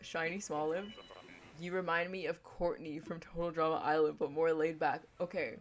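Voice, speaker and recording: A young woman with a deep voice chatting casually on a gaming livestream, rambling in a playful, laid-back way. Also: flat delivery, normal speed. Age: young adult.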